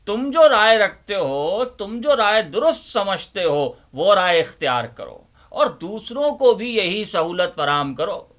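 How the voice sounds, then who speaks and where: A host who performs Urdu literature plays a bookish old librarian uncle in a theatrical reading and monologue, earnest and pleading in mood. His high, sing-song, fairly bright voice delivers lines emphatically and deliberately, with rhetorical repetition.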